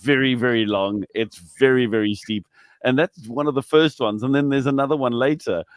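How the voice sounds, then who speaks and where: A man hosting a radio interview, chatty and animated, often laughing. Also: mid-range voice, a little fast, no echo. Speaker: radio host. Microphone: studio microphone.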